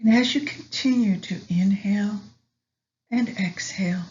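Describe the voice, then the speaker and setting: With long pauses between gentle phrases, a woman with a mid-range voice guides a very slow, soothing meditation. The sound quality is somewhat dull and lo-fi.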